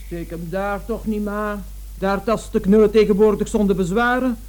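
An actress playing a coarse, thuggish grown daughter in a radio play, blunt and rude. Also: female voice, mid-range voice, fairly even intonation, normal speed, darkish tone, lightly acted. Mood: scornful.

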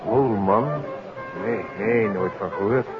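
A man's voice: fairly low pitch, slow. An actor playing an affable but evasive man-about-town in a 1950s Dutch radio play, chatty and breezy. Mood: evasive denial. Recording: muffled old radio recording, music behind.

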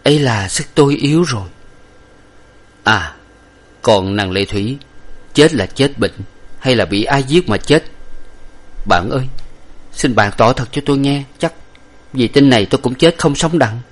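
A man voicing an impatient young gentleman, just returned from abroad, who speaks loudly and demands answers. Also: medium pitch, animated, unhurried, pauses often. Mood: grieving. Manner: loud, demanding. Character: hot-tempered young gentleman, returning scholar.

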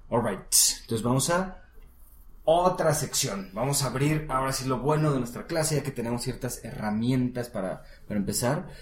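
Teaching English to a single student, a Mexican Spanish-accented man speaks at a moderate pace in an expressive mid-range voice. The relaxed lesson, recorded with a roomy echo, shows him patient, encouraging and often checking in.

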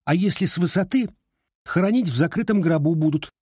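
A man's voice: sits high, expressive, brisk, a little mellow, slightly rough, dry recording, studio quality, voice pushed up. A man doing a blunt, bossy young woman. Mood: scolding. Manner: brusque, commanding. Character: blunt, sharp-tongued young woman, tough and practical.

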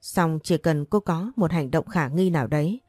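A woman reading a story aloud in a steady, scripted narration. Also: low voice, moderate pace, husky, no echo, studio quality. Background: faint music.

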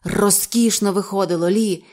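A woman voicing a flustered young man, a cameraman, who talks anxiously and shouts. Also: medium pitch, animated, brisk, lightly acted.

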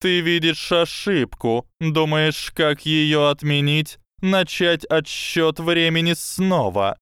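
Man doing a sly hissing snake, higher and louder than his own voice, slow and lecturing, crisp dry recording. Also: dry recording. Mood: scheming. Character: sardonic scheming male snake, cunning mentor. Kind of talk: audiobook character voice.

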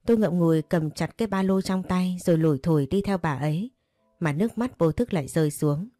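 Low, mellow woman narrating a story. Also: brisk, no echo, clean studio sound. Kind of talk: scripted first-person story narration. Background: faint music.

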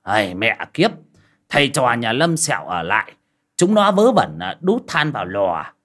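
A man's voice: medium pitch, very animated, normal speed. A man voicing a brash, crude-mouthed old man in a folk ghost story. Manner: loud, crude.

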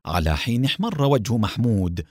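Guy reading a story aloud, lively pitch, dry close sound. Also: fairly quick, breathy edge, no echo. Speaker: narrator. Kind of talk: scripted narration of a story.

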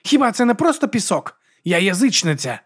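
Brash female werewolf warrior, much higher and louder than plain speech, as a man voices her. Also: very animated, brisk, breathy edge, exaggerated voice. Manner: coarse, loud and brash.

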